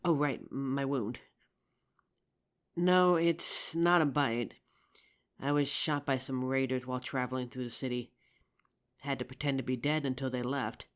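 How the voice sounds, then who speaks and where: A woman playing an injured young survivor of a zombie apocalypse in a roleplay audio drama, with halting, emotive delivery. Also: extremely low pitch, fairly even intonation. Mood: weary, wary.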